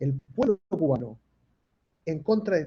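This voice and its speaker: A man with a Chilean accent speaks in a fairly high pitch with lively intonation. His tone is dark and mellow, and somewhat breathy. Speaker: activist for democracy in Cuba. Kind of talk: webinar talk. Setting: online webinar.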